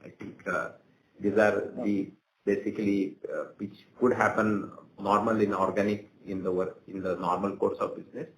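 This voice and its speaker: Deep-voiced man in a roomy space. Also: fairly even intonation, normal speed, a bit bright. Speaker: company executive. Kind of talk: answering questions on an earnings call. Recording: roomy echo, faint background noise.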